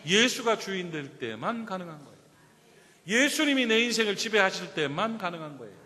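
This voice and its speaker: High-pitched man preaching with animated ups and downs, long church reverb. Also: brisk. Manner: storytelling preacher, asks the congregation direct questions. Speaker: pastor. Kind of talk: sermon. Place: church sanctuary.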